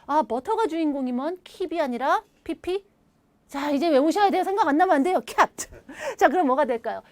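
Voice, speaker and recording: A high-pitched woman delivers an English grammar lesson with animated energy, coaxing students to repeat sentences after her. The sound is dry and close, with no room behind it. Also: moderate pace, dry recording. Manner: lively, animated, leads repeat-after-me drills; acts out little dialogue lines in playful voices. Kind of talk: recorded video lecture.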